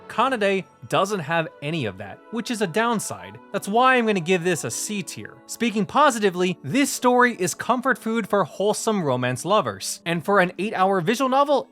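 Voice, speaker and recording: A man narrating a scripted review of visual novels with expressive, emphatic delivery. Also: high-pitched.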